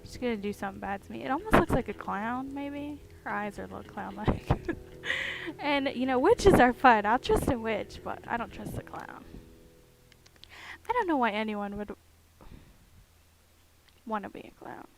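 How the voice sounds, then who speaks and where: A woman's voice: a little high, lively intonation, normal speed, gravelly, pauses often, rough recording. A woman chatting casually on a live stream while she carves, with a groggy morning voice, giggling, rambling and humming to herself. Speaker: streamer carving pumpkins. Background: music playing in the background.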